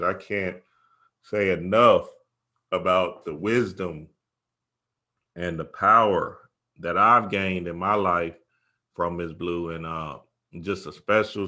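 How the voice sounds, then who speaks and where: Male host, fairly deep and forceful, informal spiritual talk with effusive praise. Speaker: show host. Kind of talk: casual spiritual talk, shout-outs.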